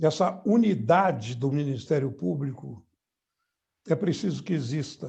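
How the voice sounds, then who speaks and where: A man's dark, mellow voice with vocal fry and lively intonation at a very slow pace. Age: 70s. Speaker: former chief public prosecutor. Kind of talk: interview. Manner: measured.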